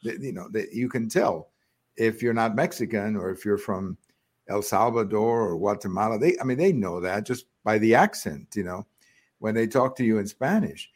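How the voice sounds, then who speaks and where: Husky, animated male talk host. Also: on the low side, normal speed. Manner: animated, incredulous questioning. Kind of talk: casual political talk.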